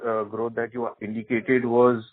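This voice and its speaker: Male analyst, mid-pitched, asking follow-up questions over a thin phone connection. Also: monotone, normal speed, no echo. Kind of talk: tentative spoken questions on a business call. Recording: dry, narrow telephone line.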